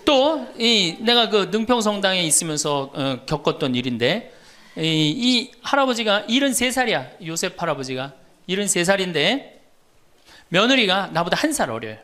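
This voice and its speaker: A man's voice: sits high, sing-song, normal speed, sharp tone. Middle-aged priest guy doing a funny talk, voice jumps all over, tells stories and teases the crowd. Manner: storytelling, quoting others, teasing the audience. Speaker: Catholic priest. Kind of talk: humorous lecture to an audience.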